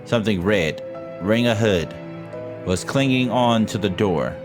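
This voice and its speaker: Low-voiced man reading horror over music. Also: expressive, a little slow. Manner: casual, profane, interjecting, stumbles over reading. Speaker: streamer reading a visual novel aloud. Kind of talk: dramatic ghost-story read-aloud with casual asides. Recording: loud music behind voice. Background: game music.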